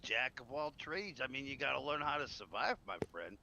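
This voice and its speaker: Very animated and creaky, this man's medium-pitched voice runs at normal speed while he plays along in a zombie survival roleplay, chatting folksily in character. The highs are cut off and there is faint background noise.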